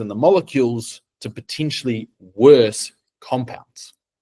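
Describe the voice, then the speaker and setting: A man talks at a fairly slow pace on a very clean recording with a silent background. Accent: New Zealand. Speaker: team presenter at a coding event. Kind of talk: presentation. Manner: deliberately slow.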